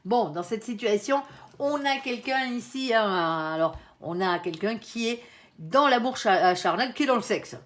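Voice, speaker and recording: A woman's voice: fairly high pitch, lively intonation, unhurried. A woman giving a casual, chatty tarot reading, often tagging her sentences and speaking to her guardian angel. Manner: chatty, frequent tag "hein", addresses her angel. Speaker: tarot card reader.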